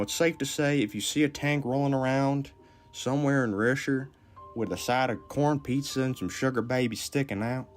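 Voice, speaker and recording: Man doing a low-voiced, folksy Southern arms dealer. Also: natural voice. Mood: bemused. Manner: folksy, rambling storytelling. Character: folksy, drawling Southern arms dealer telling a tall tale. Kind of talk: comic in-character audio message.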